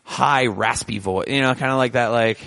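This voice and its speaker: A man's voice: medium pitch, moderate pace, gravelly, dry recording. A man from Canada, chatting as a podcast guest. He rambles in bursts and pokes fun at himself. His voice is dry and close, with no room around it. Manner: animated, rambling, self-deprecating. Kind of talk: casual conversation.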